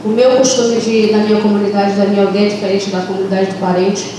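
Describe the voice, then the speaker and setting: An Indigenous woman from the Brazilian Amazon speaking on a course panel, earnest and halting with fillers. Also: medium pitch, flat delivery. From Brazilian Amazon, Baré people. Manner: earnest, halting, fillers, speeds up when stirred. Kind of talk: impassioned panel talk. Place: lecture room. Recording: echoey hall from far off, noisy.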